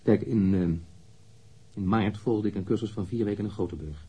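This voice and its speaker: A husky, low-voiced defensive lover. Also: male voice, moderate pace, warm tone. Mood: resigned, candid. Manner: blunt, indignant, candid. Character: defensive, wounded male lover questioned by police. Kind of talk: radio drama dialogue.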